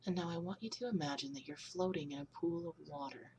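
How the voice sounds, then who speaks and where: A woman leading a guided hypnosis session, speaking slowly and soothingly and often sinking into a whisper. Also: low voice, darkish tone, far from the mic, a little hiss or hum. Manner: slow, soothing, drifts into whispers.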